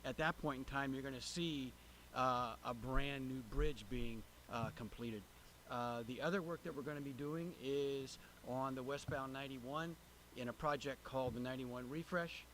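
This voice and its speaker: A man's voice: mid-range voice, low-quality recording. A man giving an informal, plainspoken update as an agency representative at a public meeting, hesitating often with uhs. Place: city council chamber, public meeting. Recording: noticeable background room noise.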